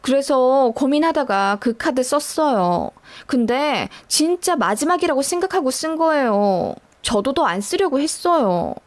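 A woman's voice: sits high, expressive, a little slow, hardly any pauses. A woman voicing a spoiled young sister-in-law who talks brashly and whines. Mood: excusing.

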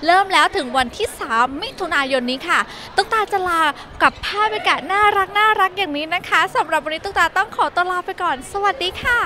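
A young woman working as an entertainment show reporter speaks into a handheld mic from a busy indoor expo hall. Her voice is extremely high-pitched and animated, moving fairly quickly with hardly any pauses as she delivers bubbly, upbeat presenter chatter in this on-location event report.

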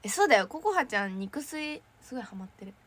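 Young female idol, slightly high voice, bubbly and giggly, casual livestream chat. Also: sing-song, quick pace, a bit bright, slightly rough. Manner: bubbly, chatty, frequent giggles. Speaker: idol trainee hosting a fan livestream. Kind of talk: casual livestream chat reading viewer comments.

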